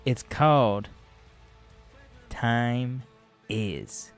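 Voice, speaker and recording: A man's voice: mid-range voice, drawn-out words, smooth, soft background music. A man in his twenties hosting a casual Christian radio talk show, teasing his brother and rambling loosely. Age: 20s.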